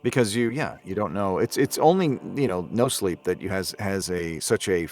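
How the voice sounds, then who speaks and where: A man's voice: low-pitched, animated, moderate pace, a little mellow, faint music behind. A man speaking as a guest voice actor in a casual podcast chat, hesitant and meandering, a little self-deprecating.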